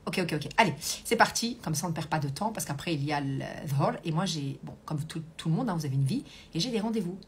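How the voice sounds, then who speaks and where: A woman's voice: sits low, lively intonation, fast, hardly any pauses, a little hiss or hum. A woman coach hosting a live stream, chatting casually, reading comments aloud and talking with many fillers. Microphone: Bluetooth hands-free earpiece.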